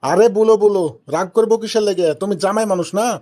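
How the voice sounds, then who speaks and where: A man's voice: high-pitched, fairly even intonation, fast talker, dark tone, lightly acted. A man with a Rajshahi Bangladeshi accent playing a wily, bantering village father-in-law in a comedy cartoon. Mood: indignant banter. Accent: Rajshahi Bangladeshi Bengali. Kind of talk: amateur cartoon comedy dialogue.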